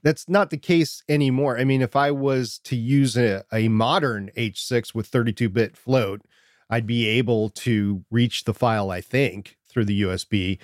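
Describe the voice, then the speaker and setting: A man with a quiet voice co-hosting a podcast from his home studio, talking through gear in a measured way. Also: mid-range voice, steady tone, no room sound. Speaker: podcast co-host. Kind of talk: casual tech chat.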